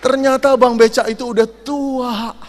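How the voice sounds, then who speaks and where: Middle-aged male pastor, comic storytelling sermon, high lively delivery in a reverberant hall. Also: moderate pace, a faint crowd, a little hiss or hum. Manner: animated, jokey, acts out dialogue and sound effects. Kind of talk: lively sermon with acted-out stories. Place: large hall at a youth camp.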